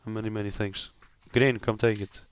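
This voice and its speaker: A man's voice: on the low side, level tone, moderate pace, smooth, dull audio. A man from Iceland streaming a shooter game, chatting casually with a teammate and playing dumb as a joke. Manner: joking, playing dumb, self-assured banter. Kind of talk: casual gaming chat.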